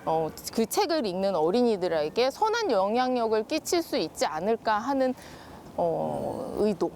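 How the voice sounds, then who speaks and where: A woman explaining things step by step on a panel show, with drawn-out pauses between phrases. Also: mid-range voice, big pitch swings, darkish tone, slight background noise. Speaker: guest expert on children's stories.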